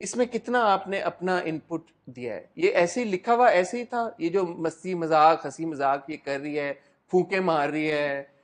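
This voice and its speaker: A man's voice: a little high, normal speed, hardly any pauses. A man hosting a casual interview, chatty and teasing, often laughing along with his guest.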